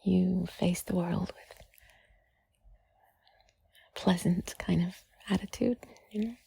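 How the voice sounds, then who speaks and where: A woman giving intimate whispered comfort talk, soothing and gently reassuring, in a breathy, husky whisper with drawn-out pauses. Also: lowish voice. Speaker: audio creator speaking to the listener.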